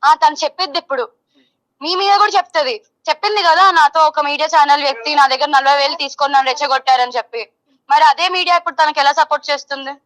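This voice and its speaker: A young woman giving her side in a heated phone interview, loud and insistent, often repeating herself and mixing in English. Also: sits high, very fast, low-quality recording.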